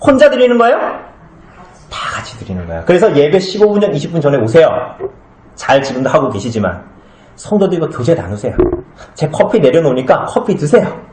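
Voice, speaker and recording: Male pastor, conversational sermon, animated delivery with acted-out asides, roomy church sound. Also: a little high, a little fast. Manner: conversational, asks the congregation many questions; acts out short comic scenes with changed voices. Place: small church hall. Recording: echoey room.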